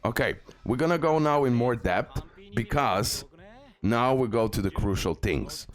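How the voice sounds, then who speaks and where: A man's voice: mid-range voice, animated, unhurried, faint music behind. A man who speaks English as a second language gives a casual, instructive mobile game tutorial, repeating and stressing his key tips. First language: not English. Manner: instructive, repetitive, emphatic about key tips. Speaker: gaming video creator and guide.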